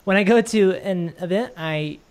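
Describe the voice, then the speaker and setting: A man's voice: high voice, moderate pace. A man hosting a casual conversation, talking in a thoughtful, reflective way with frequent restarts. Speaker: podcast host.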